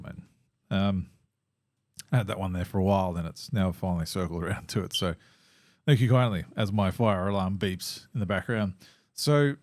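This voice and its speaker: A hoarse man, hosting a casual solo podcast and rambling with many fillers and restarts. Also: lowish voice, darkish tone, dry recording, studio quality. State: hoarse, losing his voice. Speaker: podcast host. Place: home.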